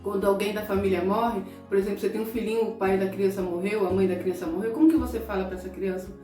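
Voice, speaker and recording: A woman's voice: medium pitch, fairly even intonation, fast. A middle-aged woman preacher from Brazil giving an emotional sermon-style talk, speaking straight to her viewers and at times close to tears. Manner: conversational, addresses listeners directly. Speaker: evangelical preacher. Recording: echoey room, distant mic, soft guitar music.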